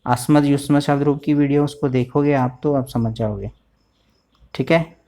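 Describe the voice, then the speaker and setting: A man teaching Sanskrit grammar in an online lesson. He reads out the forms slowly, one after another, and often checks whether the students have understood. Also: medium pitch, steady tone, warm tone.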